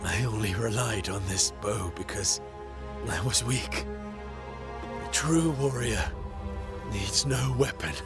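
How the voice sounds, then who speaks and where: Proud weary warrior, solemn, low-pitched, very slow, regretful, video game drama, very loud music. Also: male voice. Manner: solemn, measured.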